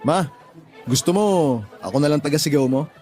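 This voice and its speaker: A man's voice: on the high side, moderate pace, darkish tone, lightly acted. A man acting a cheeky, vain gay son in a Tagalog radio drama, with campy joking and a Filipino accent. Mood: playful. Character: cheeky, vain gay adult son who jokes he's a young lady.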